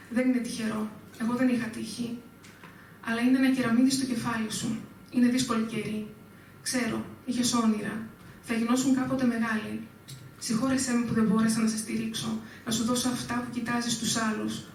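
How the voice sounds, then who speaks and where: A woman reads her poems aloud at a literary event in a fairly high, level voice that barely rises or falls. She is caught from a distance in a strongly reverberant room, with faint ambience underneath. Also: slight background noise. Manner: measured, flat, even delivery. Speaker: poet reading own work. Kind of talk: live poetry reading. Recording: very echoey room, speaker far from mic.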